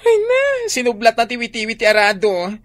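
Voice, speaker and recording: A man's voice: very high voice, wildly swooping pitch, fairly quick, fairly bright tone, dry recording, heavily acted. An actor playing a sassy, effeminate young gay man who gets huffy, in a radio drama. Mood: aggrieved.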